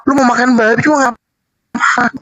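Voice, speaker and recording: A man's voice: very high voice, fairly even intonation, brisk, bright, forceful tone, dry recording. A man arguing heatedly in a debate, combative and preachy, with slangy street talk.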